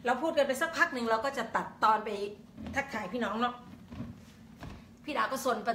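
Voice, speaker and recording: An older woman hosts a chatty political live stream, laughing often and calling out viewers' names. Her voice sits a little high and is bright and forceful. She records in an echoey room with faint hiss behind her. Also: a little fast. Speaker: political livestream host. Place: indoors at home.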